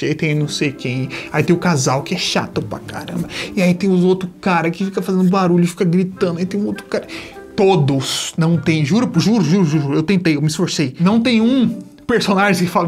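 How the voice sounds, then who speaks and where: Brazilian man, anime recap host, sarcastic, exasperated, rapid-fire, faint music underneath. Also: high voice. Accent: Brazilian Portuguese. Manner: exasperated, sarcastic storytelling with acted-out quotes.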